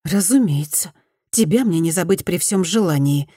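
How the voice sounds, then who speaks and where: A woman's voice: fairly low pitch, lively intonation, moderate pace, husky, no room sound, clean studio sound. A woman voicing a guarded young woman who works in a bar and speaks curtly and defensively. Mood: cold. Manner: curt, sharp, defensive.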